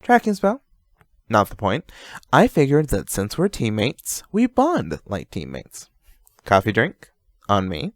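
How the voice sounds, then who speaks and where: An eager young hero played by a man in an audio drama. He is chatty and friendly, with very lively intonation. The recording is close and dry. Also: fairly low pitch, measured pace, no room sound. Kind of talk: amateur audio drama acting.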